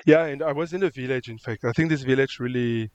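A man from France with a French accent, answering interview questions in halting English and searching for words. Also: medium pitch, a little mellow, no echo, highs cut off. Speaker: photographer, guest.

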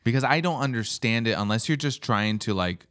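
A man's voice: medium pitch, lively intonation, brisk, fairly bright tone. A man hosting a podcast, talking casually and rambling with lots of fillers and restarts. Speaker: podcast host. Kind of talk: casual chat.

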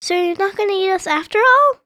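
Young heroine, played by a man: very high squeaky falsetto, dry close sound. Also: lively intonation, brisk, sharp tone, no echo, heavily acted. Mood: timid. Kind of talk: storybook character voice.

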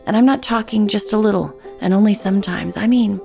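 A woman hosting a podcast, earnest and soft-spoken, sometimes dropping almost to a whisper. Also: medium pitch, brisk, gravelly, faint music behind. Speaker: podcast host. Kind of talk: scripted intro, then gentle interview.

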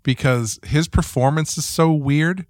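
A man's voice: fairly high pitch, unhurried, a little mellow, no echo, clean studio sound. A man co-hosting a casual podcast, chatty and jokey. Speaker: podcast co-host. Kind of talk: casual chat.

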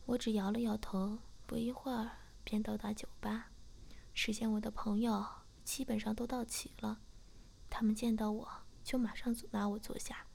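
A woman reading a story aloud in a soft, breathy whisper. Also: on the high side, little pitch movement, normal speed. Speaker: story reader.

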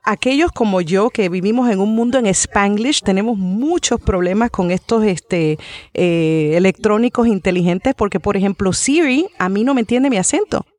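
A woman chats as a podcast guest, friendly and talkative, filling pauses with frequent fillers. Her voice sits at a mid pitch and sounds dry, with no room in it. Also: a little mellow, no room sound. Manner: chatty and friendly, bilingual, with many fillers. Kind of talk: conversational podcast interview.

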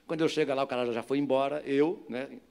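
A pastor with a Rio de Janeiro accent, preaching a sermon with lively storytelling that builds to loud, emphatic exhortation. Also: male voice, mid-range voice, quick pace, vocal fry, clear, resonant tone. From Rio de Janeiro area, Brazil.

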